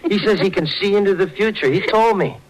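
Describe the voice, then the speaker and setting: An actor playing a suspicious, hot-tempered small-time hood in a 1940s radio crime drama, with a husky voice, an American accent and gruff slangy speech. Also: male voice, high voice, fairly quick, poor audio. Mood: boastful, excited. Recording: vintage 1940s radio broadcast.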